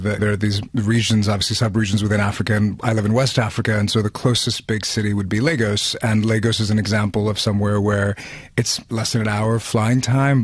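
Guest man, reporter from Pakistan, fairly low voice, dry close sound, measured and reflective. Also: breathy edge, no room sound. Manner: thoughtful, measured, with small restarts. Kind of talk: conversational podcast interview.

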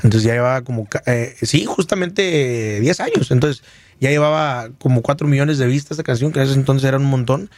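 A man's voice: mid-range voice, brisk, no room sound. A man with a Michoacán Mexican accent, a singer telling his story in a casual radio interview, rambling with many fillers and restarts. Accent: Michoacán Mexican Spanish. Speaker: singer guest.

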